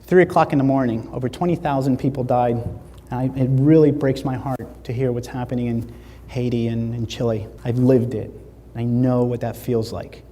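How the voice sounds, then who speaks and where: A man, giving a keynote speech and acting out stories with lively dialogue. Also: mid-range voice, moderate pace, in a large hall. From Latin America, Spanish-speaking. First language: Spanish. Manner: animated storyteller acting out dialogue. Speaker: motivational speaker. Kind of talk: keynote speech to a live audience. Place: large hall.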